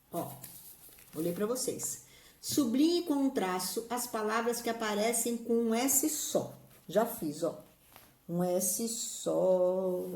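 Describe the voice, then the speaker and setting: A woman's voice: on the high side, warm tone, echoey room. A woman teacher with a Brazilian Portuguese accent, patiently going through spelling rules step by step in a recorded remote lesson.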